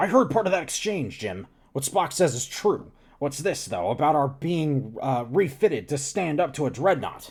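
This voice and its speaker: Putting on a character voice, a man speaks at a moderate pace with a fairly high pitch. His pitch swings very widely. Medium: game stream. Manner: blunt, argumentative.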